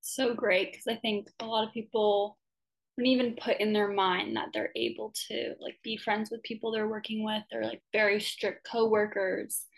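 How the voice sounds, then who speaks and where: A woman hosting a podcast interview, asking relaxed questions with fillers. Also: medium pitch, normal speed, gravelly. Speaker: podcast host. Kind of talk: casual interview.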